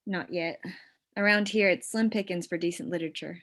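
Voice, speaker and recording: An actress playing a self-possessed, flirtatious store clerk in a script table read, with a dry, teasing delivery. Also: female voice, fairly low pitch, fairly quick, a bit bright.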